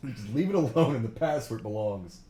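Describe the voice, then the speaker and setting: A man's voice: medium pitch, animated, fairly quick, mellow, breathy edge. A man co-hosting a casual podcast, joking and swearing a lot. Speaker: podcast co-host.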